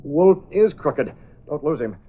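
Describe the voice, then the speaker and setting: A commanding hero on old radio. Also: male voice, on the high side, expressive. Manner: measured and authoritative. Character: calm, commanding male publisher-hero. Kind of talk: 1930s radio drama acting. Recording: scratchy narrow 1930s radio transcription.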